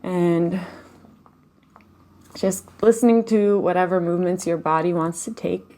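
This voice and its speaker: A woman with a lowish, gentle voice leads a guided meditation. She talks slowly and softly, leaves long pauses between phrases, and breathes out in audible sighs. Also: fairly even intonation. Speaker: meditation teacher. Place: home, live online session.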